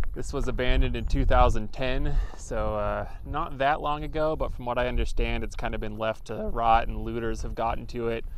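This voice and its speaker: A man's voice, dry with no echo, over light background noise. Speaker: explorer vlogger. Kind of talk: casual vlog chat. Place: open country. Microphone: phone near.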